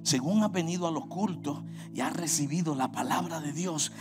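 A man with a Puerto Rican accent preaching a sermon, swinging from quiet talk to shouted, sung exhortation over music. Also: on the high side, moderate pace. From Puerto Rico. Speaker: pastor.

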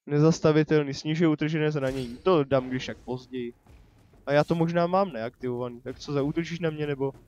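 A man's voice: fairly high pitch, steady tone, a little mellow, lo-fi sound. A man casually commenting on his own gameplay, chatty and joking, talking to the enemies on screen. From Czechia. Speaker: let's play commentator. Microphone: desk microphone.

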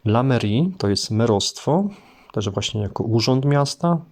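A man's voice: mid-range voice, expressive, a little slow. A man teaching French vocabulary in a casual spoken lesson, explaining things unhurriedly with hesitant fillers.

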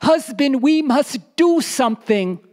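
A woman's voice: high voice, expressive, slow pace, darkish tone, voice pushed up. A woman storyteller voicing the poor, anxious wife of a desert nomad, pleading and insistent. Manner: pleading, repeating "husband" with rising intensity.

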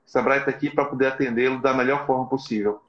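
A middle-aged man speaks over a video call from a small room. The sound is echoey and a bit dull, at a medium pitch. He hosts like an earnest motivator, urging listeners on and checking in with short tag questions. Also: steady tone, fast. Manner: earnest, exhorting, frequently adds tag questions. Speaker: live stream host for a business support agency. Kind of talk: motivational live webinar talk. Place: small plain room indoors. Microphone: video call, device in front of him.

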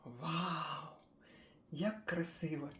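An older woman chatting casually as she makes a breakfast smoothie in her kitchen, thinking aloud with small laughs. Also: sits low, fairly even intonation, extremely slow, fairly bright tone, a little hiss or hum. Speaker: cooking vlogger.

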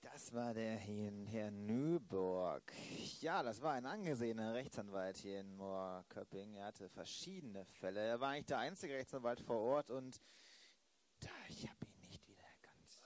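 A man's voice: lowish voice, expressive, normal speed, darkish tone, lightly acted. A man playing a weary older police inspector in an improvised amateur radio play.

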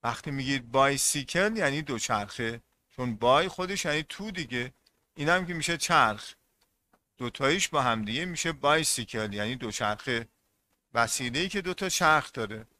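A man's voice: mid-range voice, expressive, bright, forceful tone. A male English teacher giving a classroom lesson, repeating each term and putting questions to his students. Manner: repeats terms and quizzes the class.

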